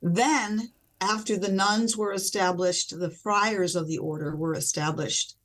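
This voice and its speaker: A woman religious sister, a guest on a video call, explaining her community in a measured way. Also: medium pitch, fairly even intonation, fairly bright tone, rough recording. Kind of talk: explanatory interview answers.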